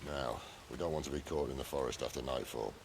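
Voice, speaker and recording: An actor playing a roguish, wry, middle-aged outlaw in a video game, with a British accent and a gravelly, folksy delivery. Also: male voice, a bass voice, steady tone. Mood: easygoing. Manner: wry, folksy, unhurried banter. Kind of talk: cinematic video game acting.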